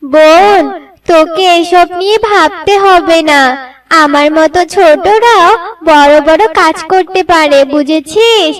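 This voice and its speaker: A woman's voice: very high-pitched, takes it slowly, distant mic. A woman voicing a poor young songbird, a caring and anxious elder sister in a children's cartoon, earnest and plaintive. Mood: sad, reassuring.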